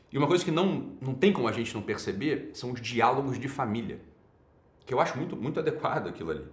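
A man's voice: fairly low pitch, echoey room. A man with a Brazilian Portuguese accent hosting a livestream talk, answering chat and hammering points home by repeating words. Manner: emphatic, repeats key words. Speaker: online talk host.

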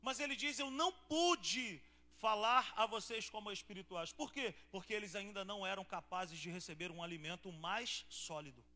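A man's voice: high-pitched, normal speed, hardly any pauses, bright, forceful tone, faint music behind. A man pastor with a Brazilian Portuguese accent, preaching a sermon to a church congregation and asking them questions. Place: church service before a congregation.

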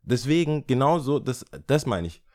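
A man from Ghana co-hosting a casual conversation, opinionated and animated as he acts out little scenes. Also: medium pitch, normal speed. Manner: opinionated, animated storytelling with acted-out quotes. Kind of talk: casual chat.

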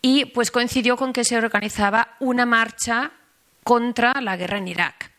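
A middle-aged woman from Spain, a historian speaking at a panel, telling a story in a lively, chatty way with many fillers and restarts. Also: on the high side, normal speed. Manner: animated storytelling with many fillers and self-corrections. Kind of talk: conversational panel talk.

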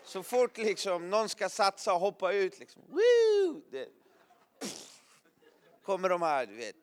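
Man, preacher, lively storytelling sermon, sound effects, fairly high voice. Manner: animated, vivid, makes sound effects and laughs often.

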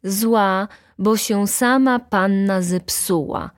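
A woman's voice: mid-range voice, slow, no echo, clean studio sound, close to an everyday voice. Woman doing a haughty bossy male valet. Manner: haughty, commanding.

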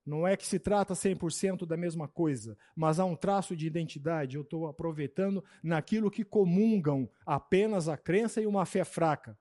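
A man's voice: high voice, darkish tone. A man teaching a Bible class, lecturing in a preachy way and often checking that his students agree.

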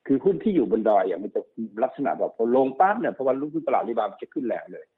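A man working as a stock market analyst, explaining market cycles quickly and repeating himself, often checking that the listener follows. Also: medium pitch, very animated, breathy edge. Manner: fast, repetitive explaining, often checks understanding. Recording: narrow phone-like sound.

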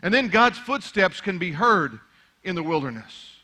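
A middle-aged pastor, an Arabic native speaker, delivers a sermon in a bright, ringing voice set a little high for a man. He talks in a loose, conversational way, then climbs into fervent preaching. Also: big pitch swings, normal speed.

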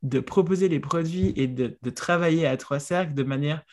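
A woman's voice: sits low, normal speed, a little mellow. A woman co-hosting a casual podcast, effusive and hesitant, restarting her sentences often. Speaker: podcast co-host.

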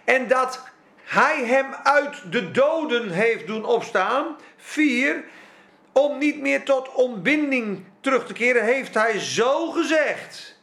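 Gravelly, high-pitched male preacher, fervent, swinging loud and soft. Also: echoey room. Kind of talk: sermon.

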